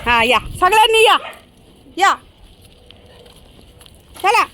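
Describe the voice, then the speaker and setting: A woman's voice: very high-pitched, very animated, drawn-out words. A woman, chatting casually and coaxing her dog while out walking. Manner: coaxing, scolding the dog playfully. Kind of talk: casual chat with pets and neighbors. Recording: noisy outdoor ambience.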